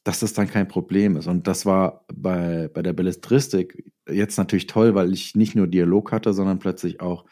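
A middle-aged man with a low, very mellow voice speaks in a conversational interview. He reflects as he goes, often breaking off and rephrasing mid-sentence. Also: steady tone. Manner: halting, self-correcting, reflective storytelling. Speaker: interview guest, audio drama writer and author.

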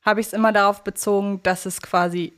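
A woman's voice: medium pitch, level tone, a little fast. A woman co-hosting a podcast, casually discussing an audio drama series, agreeable and thinking aloud as she goes. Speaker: podcast co-host.

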